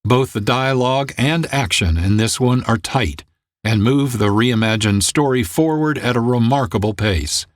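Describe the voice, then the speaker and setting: A man hosting a podcast, reading a measured scripted introduction. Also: mid-range voice, dry recording, clean studio sound. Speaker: podcast host.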